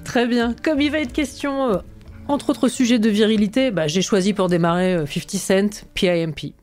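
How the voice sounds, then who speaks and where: A woman's voice: mid-range voice, moderate pace, darkish tone, soft background music. A woman hosting a radio arts interview, moving between prepared links and short conversational replies.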